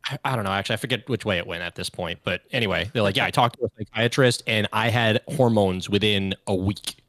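A man's voice: fairly low pitch, fast, a bit bright, no room sound. A young man in casual chat, rambling with lots of fillers and frequent swearing.

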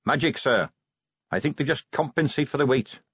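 A man's voice: mid-range voice, moderate pace, a bit bright, husky, no room sound, voice pushed up. A man voicing an earnest, polite young male watch captain who answers eagerly and respectfully in an audiobook reading. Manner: eager, respectful, keeps saying sir. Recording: dry, slightly dull lo-fi sound.

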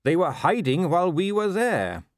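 A man acting an earnest, polite police captain, raised pitch. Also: big pitch swings, normal speed, no echo, studio quality. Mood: apologetic, respectful. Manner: polite, deferential, straightforward. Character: earnest, honest, respectful male police captain. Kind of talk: audiobook character voice.

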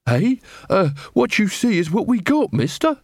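A man's voice: high-pitched, very animated, measured pace, a little mellow, dry recording, studio quality, pitched above the performer's own voice, full character voice. A man voicing a fat, surly armourer in a storybook, hesitant, grudging and defensive. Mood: grudging unsure.

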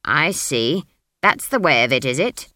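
Woman acting old witch, storybook character, bossy, short-tempered, forceful tone, very dry sound. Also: low-pitched, very animated, no room sound, heavily acted. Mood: exasperated, commanding. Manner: brisk, snapping, emphatic.

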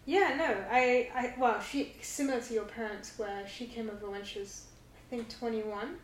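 A woman's voice: on the high side, moderate pace. Woman guest, distant and echoey. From London. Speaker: podcast guest. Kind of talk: casual interview chat. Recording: echoey, distant from mic, faint noise.

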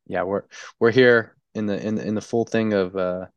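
A congested man co-hosting a sports podcast, talking in a halting way full of restarts and stutters. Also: fairly low pitch, fairly even intonation, dry recording, dull audio. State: congested, stuffy. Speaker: podcast co-host. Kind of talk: casual sports chat.

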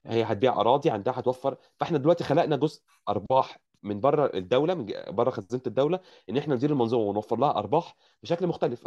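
A man's voice: medium pitch, warm tone. A man with an Egyptian Arabic accent, a guest engineer explaining at length in an interview, often restarting his words. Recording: muffled lo-fi audio.

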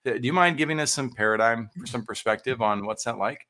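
A man's voice: mid-range voice, fast talker, pushed and bright. A man hosting an interview, asking curious follow-up questions in a conversational way. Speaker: podcast host, interviewer.

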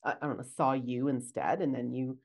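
A woman's voice: very deep voice, steady tone, brisk, vocal fry, a little mellow. A woman co-hosting a casual podcast, chatty and acting out bits of client talk. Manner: chatty, acts out client dialogue. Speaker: podcast co-host, esthetician.

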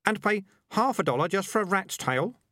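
A man's voice: high voice, expressive, normal speed, pushed and bright, dry recording, studio quality, voice pushed up. A man voicing a naive, honest young boy who speaks in an earnest, uneasy, questioning way in a storybook.

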